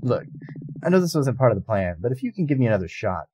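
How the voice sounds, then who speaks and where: A man's voice: mid-range voice, very animated, fast, darkish tone, slight background noise, lightly acted. A man voicing a brash young female fighter who talks bluntly and defensively. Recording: music bed underneath.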